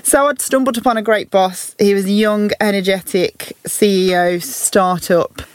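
A woman's voice: mid-range voice, steady tone, normal speed. A woman with a Birmingham accent, from the Midlands, telling her career story thoughtfully as a podcast guest, often laughing. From English Midlands. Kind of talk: candid reflective conversation.

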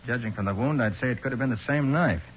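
A man's voice: medium pitch, fast talker, muffled recording, natural voice. A man playing an assured private detective in 1940s radio style, asking probing, matter-of-fact questions on an old noisy recording.

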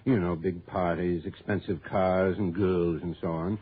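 A husky, insistent client. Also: male voice, low voice, fairly even intonation, a little slow. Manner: insistent, folksy and gossipy. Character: opinionated, worried male client. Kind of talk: 1960s radio drama acting. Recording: tinny old radio broadcast.

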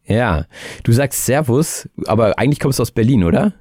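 A man hosting a language-learning podcast, speaking in a measured, clear, teacherly way as he introduces and interviews a guest. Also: medium pitch, animated, a little mellow, no echo, studio quality. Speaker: podcast host and German teacher. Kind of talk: scripted intro, then interviewing.

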